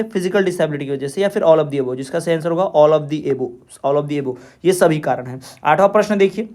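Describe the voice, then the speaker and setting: A man with a fairly high voice leads an exam-prep lesson as a teacher. He reads each English question slowly, then explains it and says the answer several times so it sticks. The pace is steady and instructive, like a coaching class tutor. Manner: repeats questions and answers to drill them.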